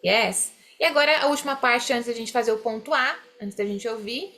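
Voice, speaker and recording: A woman's voice: a little high, pushed and bright. Woman teaching an English lesson. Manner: explains in Portuguese, slows down to model English words; checks in with students often. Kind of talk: online English class.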